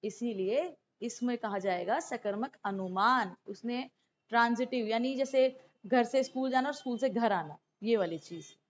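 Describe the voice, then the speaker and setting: A woman teacher speaks in a fairly high voice that is hoarse from a sore throat. She explains exam questions step by step in an instructive manner, dropping in English terms. The recording sounds somewhat dull and lo-fi. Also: measured pace. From India. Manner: instructive, checks in with "okay", mixes in English terms. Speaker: teacher of exam-prep psychology classes. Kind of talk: explanatory exam lesson, going through questions.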